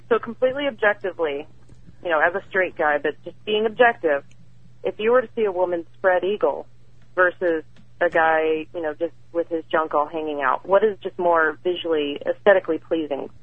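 A woman's voice: fairly low pitch, moderate pace, slightly rough, no echo. A woman caller on a talk show, heard over the phone, asking teasing questions with a giggle. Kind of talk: call-in radio chat. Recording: tinny phone line.

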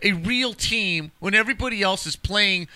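A man hosting a sports talk show, bantering casually with slang and profanity in an animated, jokey way. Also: high voice, moderate pace, smooth, dry recording.

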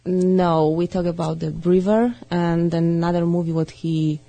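Polish lady guest, lowish voice, halting answers full of ums, dry sound. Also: level tone, gravelly, warm tone, no echo. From Poland. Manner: short hesitant answers with fillers. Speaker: interview guest. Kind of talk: casual interview chat.

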